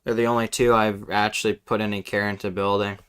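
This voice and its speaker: A woman's voice: rumbling low, level tone, brisk, a little hiss or hum. A woman streaming a game, chatting casually and bluntly with her viewers. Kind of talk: casual live stream chat while gaming.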